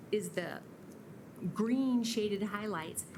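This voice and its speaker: A woman speaks at a medium pitch with ordinary pitch variation and a somewhat breathy voice, and the room echo is audible. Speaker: city official presenting budget. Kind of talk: council meeting presentation. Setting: council chambers. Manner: slow.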